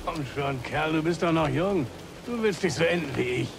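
A man voicing a kindly, world-weary older alien scrap worker in a video game, chatty and halting, with a gravelly voice. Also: a little high, noisy background. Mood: earnest, urging. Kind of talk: video game cutscene acting. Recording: game scene under loud music, rain.

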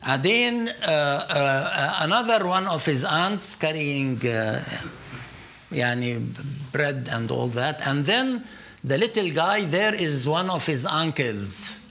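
An older man from Palestine with an Arabic accent, speaking English as a guest on stage in a lecture hall, telling stories with emphatic, animated delivery and many restarts. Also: fairly high pitch, takes it slowly. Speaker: art collector, guest. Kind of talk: conversational storytelling on stage. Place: lecture hall with seated audience.

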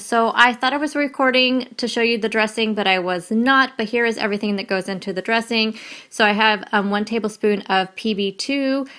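A woman's voice: mid-range voice, fairly bright tone. A woman in her thirties talking casually through her weekly cooking steps, explaining each one as she goes. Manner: chatty, step-by-step explaining. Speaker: meal prep vlogger. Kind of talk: casual voice-over narration. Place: home kitchen.

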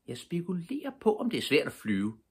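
An older man reading aloud, voicing a cheeky, fearless little girl in a lively, bold and playful way. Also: fairly high pitch, breathy edge, voice pushed up, heavily acted. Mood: dreamy, daring. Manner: lively, bold, full of fun.

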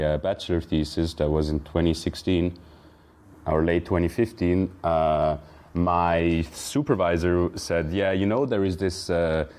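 A man's voice: low voice, darkish tone. A young man from Switzerland, talking thoughtfully as a podcast guest, with frequent fillers and restarts. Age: young adult. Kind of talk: casual interview talk.

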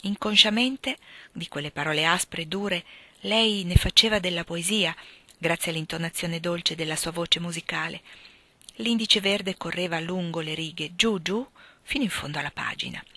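Brief: expressive female audiobook narrator, slightly low voice. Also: normal speed, no echo. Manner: clear, expressive reading. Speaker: audiobook reader. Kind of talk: scripted narration.

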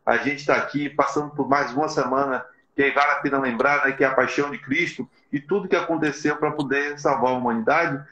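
A man's voice: mid-range voice, fairly even intonation, fairly quick, few pauses, bright, forceful tone. Echoey middle-aged man, earnestly exhorting. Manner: earnest, exhorting, frequently adds tag questions. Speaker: live stream host for a business support agency. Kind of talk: motivational live webinar talk. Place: small plain room indoors. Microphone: video call, device in front of him. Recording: echoey, slightly dull video call audio.

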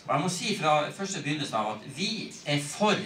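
Bright-voiced male interpreter in echoey room. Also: on the high side, sing-song, a little fast, recorded from a distance. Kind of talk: consecutive interpreting, phrase by phrase. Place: medium meeting hall, indoors. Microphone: handheld mic, picked up by distant camera. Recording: echoey room from off, faint noise.

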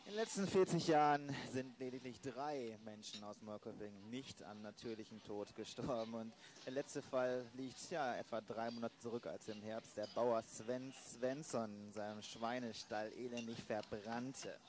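A man acting an unhurried, wry older police inspector in an amateur radio play, formally polite. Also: medium pitch, background noise, close to an everyday voice. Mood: measured, wry.

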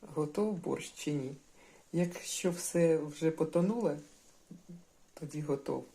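A woman narrating a casual cooking vlog from her home kitchen, thinking aloud step by step at an unhurried pace. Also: low voice, mellow. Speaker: home cook, channel host. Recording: kitchen cooking noise behind voice. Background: sizzling frying pan.

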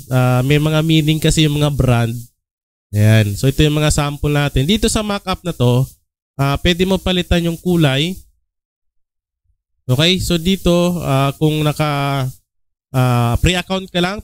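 In this casual screen-recorded design tutorial, a young Filipino man speaks in a clear, resonant voice that sits on the high side. He's at ease, leaning on lots of "ah" fillers and checking in with "okay?" often.

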